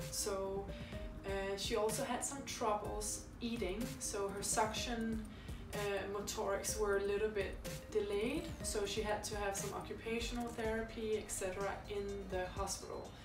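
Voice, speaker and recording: Clear music plays in the background. A woman talks at a moderate pace and medium pitch. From Denmark. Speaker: chiropractor. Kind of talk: talk to camera introducing treatment. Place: office.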